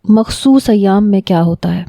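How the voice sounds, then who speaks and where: A woman voicing a smooth-talking young man who calmly asks probing, personal questions. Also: mid-range voice, no echo, studio quality, natural voice.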